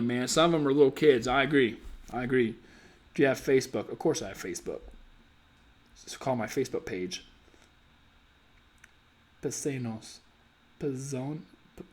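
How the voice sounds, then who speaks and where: A man hosting a dating-advice live stream, casually reading viewer comments and teasing them in a playful, slangy way. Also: mid-range voice.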